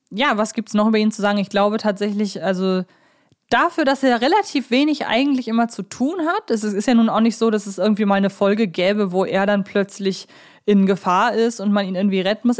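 A woman's voice: mid-range voice, a little fast, a little mellow. A woman co-hosting a podcast in a casual, chatty discussion, putting questions to her partner in a conversational way. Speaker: podcast co-host.

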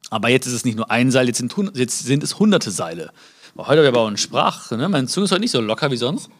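A man giving a live motivational talk. He speaks to his listeners directly, acts out little dialogues and jumps high in pitch to stress a point. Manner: many fillers and restarts, acts out small dialogues.

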